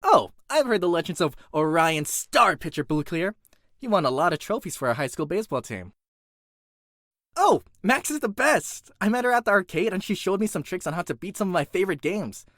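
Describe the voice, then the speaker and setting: In an animated character voice reel monologue, a performer plays an earnest young blacksmith from an animated series who is a workaholic, delivering the lines in a very lively, swooping way. The medium-pitched voice is brisk, conversational and dutiful with an adventurous streak, cheerful and fond in mood, recorded dry and close.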